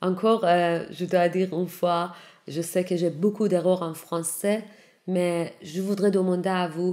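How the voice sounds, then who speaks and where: A woman speaks very slowly in a Persian accent, her tone dark and mellow and her pitch fairly low. Her intonation stays monotone and flat. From Iran. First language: Persian (speaking French). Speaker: poet and novelist. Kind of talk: interview statement. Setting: public reading event. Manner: halting.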